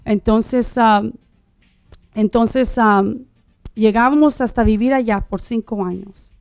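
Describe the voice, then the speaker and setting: A middle-aged woman born in Uruguay telling her personal testimony in conversation, halting, with many fillers and restarts. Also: a little high, a little mellow, dry recording, clean studio sound. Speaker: guest sharing her testimony.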